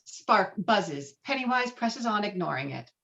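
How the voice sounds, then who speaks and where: A woman's voice: mid-range voice, very animated, measured pace, creaky, fairly bright tone. A woman reading screenplay stage directions dramatically as narrator of a table read, over a video call. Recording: dull lo-fi video call sound.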